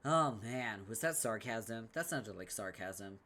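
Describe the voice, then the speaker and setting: A man's voice: on the low side, expressive, measured pace, pushed and bright, slight background noise, full character voice. A man voicing a smug, scheming young female troll with a brash, sarcastic delivery.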